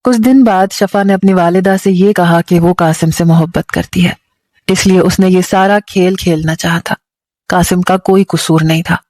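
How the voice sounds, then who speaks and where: A woman narrating a moral romance story with an even, measured storytelling delivery. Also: lowish voice, dry recording.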